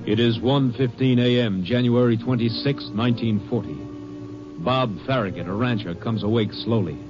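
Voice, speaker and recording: A man with a mid-pitched voice narrates an old-time radio crime drama. He is measured and dramatic, over clear music on a slightly dull vintage recording.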